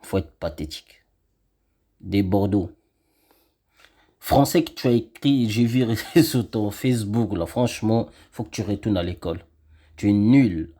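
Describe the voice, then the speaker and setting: A man from Congo rants at a rival in an indignant, scolding monologue, repeating his points again and again. His voice sits low, dark and a little husky. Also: unhurried, long pauses. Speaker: online commentator. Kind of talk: angry monologue reacting to a video.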